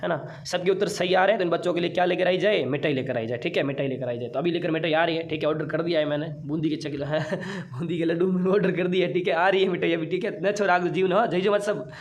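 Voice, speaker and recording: A man runs an online exam-prep class, chatty and teasing with his students. His voice sits a little high. He has been unwell. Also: quick pace, hardly any pauses. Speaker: teacher.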